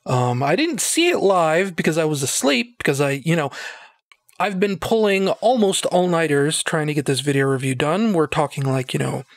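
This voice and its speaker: A man's voice: a little high, animated, normal speed, dry recording. A man hosting a casual solo podcast, rambling with lots of fillers and joking at his own expense, his throat a bit phlegmy and nasal. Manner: rambling, filler-heavy, self-deprecating joking. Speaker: podcast host.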